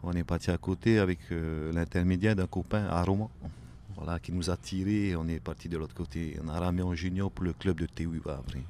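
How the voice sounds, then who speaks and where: A man, talking casually as a guest on a radio show, filling pauses with "ben", "hein" and "voilà". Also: low-pitched, steady tone, dark tone, slight background noise. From Tahiti. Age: late 30s. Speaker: guest, outrigger canoe paddler. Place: radio studio.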